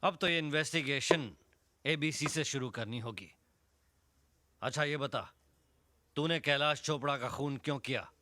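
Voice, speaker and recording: A man's voice: medium pitch, normal speed, long pauses, pushed and bright, no echo, natural voice. An actor playing a stern police inspector, commanding as he interrogates a suspect in a Hindi film scene.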